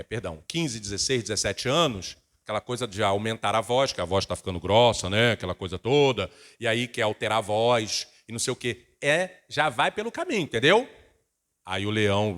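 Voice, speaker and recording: Animated, bright-voiced male pastor preaching. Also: medium pitch. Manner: animated, acts out family members' voices. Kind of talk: sermon.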